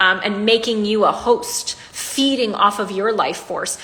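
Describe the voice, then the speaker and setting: Against noticeable background noise, a woman with a fairly high pitch sounds animated, using ordinary pitch variation. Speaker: healing coach. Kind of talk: live Q&A. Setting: livestream.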